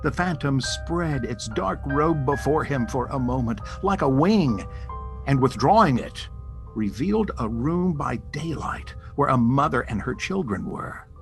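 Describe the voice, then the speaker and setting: An actor narrating a ghost story in a measured, theatrical, suspenseful style. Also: male voice, mid-range voice, lively intonation, vocal fry, over music. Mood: solemn suspense. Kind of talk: scripted dramatic narration.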